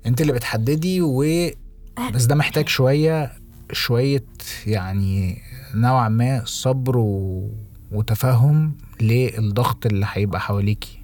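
A young Egyptian man co-hosting a podcast, talking reflectively with halting restarts and English phrases mixed in. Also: medium pitch, a little mellow. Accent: Egyptian Arabic. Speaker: podcast co-host. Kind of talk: casual podcast conversation.

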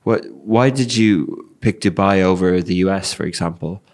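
A man with a deep, low voice interviews a guest in a conversational way. He often repeats the other person's phrases back, then builds his question from there. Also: moderate pace, darkish tone. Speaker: interviewer, host.

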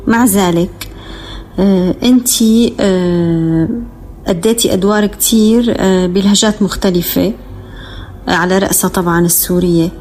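A woman's voice: mid-range voice, moderate pace, darkish tone. A woman podcast host, asking carefully phrased, formal interview questions.

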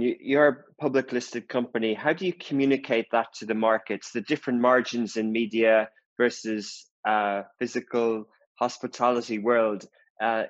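A man's voice: mid-range voice, no room sound. A male interviewer asks long, layered questions in a business interview. The recording is dry and a little dull, with a mid-range voice. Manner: long multi-part questions, brief affirmations.

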